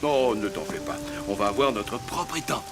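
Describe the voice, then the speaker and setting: Animated, reassuring old grandfather. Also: on the low side, normal speed, over loud music. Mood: patient, reassuring. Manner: patient, explaining. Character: patient, reassuring grandfather, older man. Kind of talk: children's cartoon dialogue.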